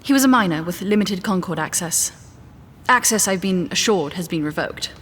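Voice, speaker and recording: A woman's voice: fairly low pitch, expressive, normal speed, a little hiss or hum, lightly acted. An actress playing a poised, idealistic woman scientist who is gracious in public, in an audio drama. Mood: composed, earnest. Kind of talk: audio fiction acting. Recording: loud music bed behind the voice.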